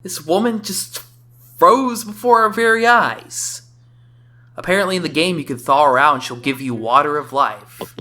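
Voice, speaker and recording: A man's voice: fairly high pitch, normal speed, sharp tone, slight background noise. A man giving scripted comedic commentary as a game reviewer, wry and sarcastic.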